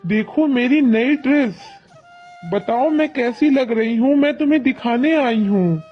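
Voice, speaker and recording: A man voicing a spoiled, arrogant rich young girl who mocks others in a boastful tone, in an animated storybook. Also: extremely high pitch, unhurried. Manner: mocking, boastful. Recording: dull lo-fi audio, faint music.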